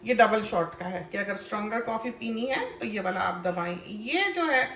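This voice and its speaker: A woman talks through a home demonstration in a loose, chatty way, circling back with fillers as she explains. Her voice sits at an ordinary middle pitch. It is recorded in an echoey kitchen with faint room ambience behind her. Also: expressive, moderate pace, a bit bright, slight background noise. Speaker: cooking channel host.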